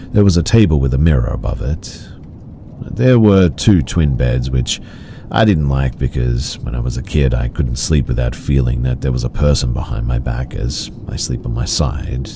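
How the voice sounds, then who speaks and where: Guy reading horror stories, super low voice, slow and somber. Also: vocal fry, noisy background. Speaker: horror story narrator. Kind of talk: scripted narration of first-person horror stories.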